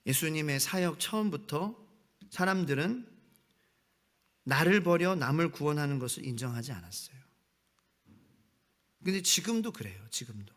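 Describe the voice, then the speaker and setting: A man's voice: fairly high pitch, lively intonation, normal speed, pauses often, a bit bright. A man preaching a midweek evening sermon as pastor, reading scripture and acting out mocking voices of the crowd. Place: church sanctuary. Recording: long church hall reverb.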